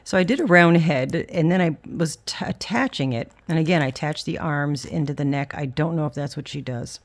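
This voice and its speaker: Low-voiced woman with a whistling s. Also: a little fast. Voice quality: whistling s through the teeth. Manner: candid, self-deprecating. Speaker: craft vlogger. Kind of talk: casual rambling show-and-tell.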